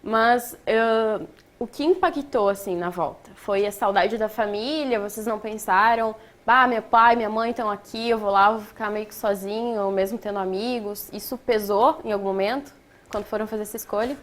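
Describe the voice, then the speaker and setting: A woman's voice: medium pitch, fairly even intonation, normal speed. A woman hosting a studio talk show, asking long chatty questions. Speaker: show host.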